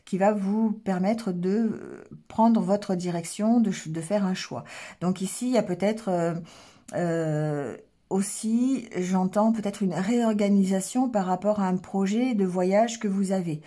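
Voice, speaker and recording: Hoarse woman, mellow dark tone, tarot reader; hesitant, throat-clearing, checks in with viewers. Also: medium pitch, measured pace. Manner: hesitant, many fillers and restarts, checks in with "d'accord?". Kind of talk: casual tarot reading addressed to viewers.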